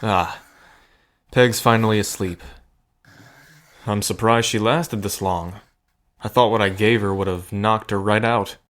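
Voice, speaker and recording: A man's voice: on the low side, fairly even intonation, measured pace, pauses often, a bit bright. A man acting in an audio drama as a protective, wry cousin in a gambling scheme, talking in an earnest, conversational way. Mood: wry, relaxed. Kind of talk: scripted audio drama acting, addressed to the listener.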